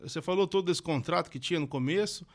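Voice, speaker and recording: A male podcast host asking curious, relaxed questions and laughing along with his guest. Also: on the high side, fast. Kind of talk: casual interview questions.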